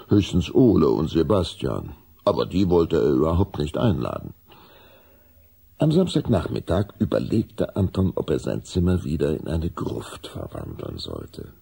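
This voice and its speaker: A male narrator tells a children's story in a very husky, deep voice. His delivery is unhurried and expressive, as scripted storytelling.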